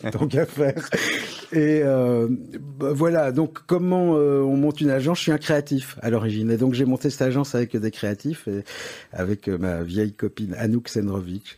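A man's voice: on the low side, warm tone, slightly rough. A middle-aged man with an old Parisian accent, answering interview questions about his ad agency, hesitant with many fillers and wry self-mockery. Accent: Parisian French. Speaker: advertising agency founder, interview guest.

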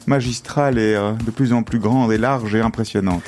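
A man's voice: on the low side, fairly even intonation, fairly quick, darkish tone, faint music behind. A man co-hosting a radio show in casual chat, often repeating and rephrasing himself. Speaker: radio co-host.

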